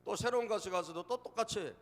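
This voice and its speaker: Higher-voiced pastor preaching in a reverberant hall. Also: male voice, fast. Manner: storytelling with jokes, often prompting the congregation with "예?"; emphatic repetition of key phrases. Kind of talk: sermon. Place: church sanctuary. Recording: long church hall reverb.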